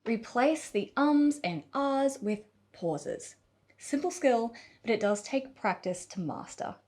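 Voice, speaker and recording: A woman coaching viewers in a scripted video tutorial. Her pitch moves a lot, rising and falling through each sentence. She places deliberate pauses and leans on key words. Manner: expressive, deliberate pauses and emphasis.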